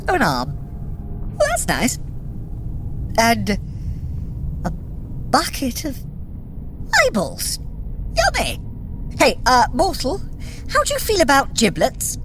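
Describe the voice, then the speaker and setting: Imperious, squeamish trickster deity for audio adventure: dry sarcasm, unhurried pace, theatrical swings in pitch. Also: female voice, huge pitch swings, background noise, full character voice. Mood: disgusted, sarcastic. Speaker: story guide in a running workout. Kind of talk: scripted audio adventure acting, addressing the listener.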